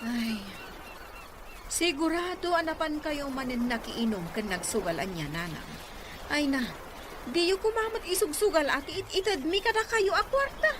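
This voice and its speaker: A woman's voice: sits high, sing-song, moderate pace. An actress with an Ilocano accent playing a younger sister, a scolding yet caring village woman in an audio drama. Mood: scolding, worried. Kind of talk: Ilocano radio-style drama acting. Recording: clearly noisy ambient background.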